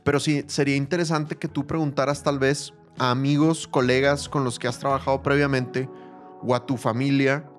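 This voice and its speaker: A man co-hosts a casual advice podcast. He talks in a loose, slangy way, calls the listener compadre, and tells stories as he goes. A soft music bed plays underneath. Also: medium pitch, moderate pace. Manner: animated storytelling, calls listener brother and compadre. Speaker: podcast co-host.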